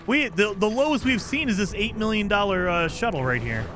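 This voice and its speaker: A man streaming a game live, chatting casually and reading viewer comments, with a voice he calls high-pitched for a man. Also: a little fast, over music. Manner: chatty, lively, self-deprecating.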